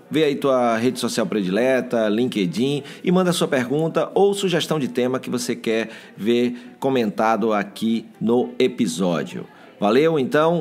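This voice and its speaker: Music plays behind a man who speaks fairly slowly at a medium pitch with lively intonation. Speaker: podcast host; startup event mentor. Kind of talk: casual business chat. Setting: at a startup event.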